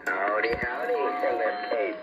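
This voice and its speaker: A man's voice: fairly low pitch, a little slow. An American man with a folksy, courteous way of chatting as a CB operator, heard over radio. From United States. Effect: CB radio transmission. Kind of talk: casual radio contact chat. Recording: dull CB radio with heavy static.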